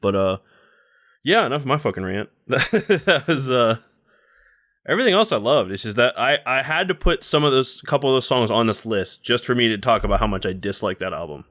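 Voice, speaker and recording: A young man with a middling pitch talks casually as a podcast co-host. He gives blunt, opinionated takes, loose and sweary, with "like" scattered through his sentences. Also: expressive, a little fast, a bit bright. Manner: blunt, heavy use of "like", swears freely. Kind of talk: casual chat, opinionated music review.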